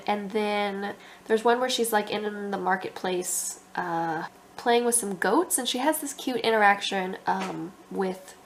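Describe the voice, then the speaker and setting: A young woman with a blocked-up, congested nose chats through her writing progress in a casual vlog, rambling and thinking aloud, filling pauses with ums. Her pitch sits in a middle range, and faint noise hums under the recording. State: stuffy, congested. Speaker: author vlogger.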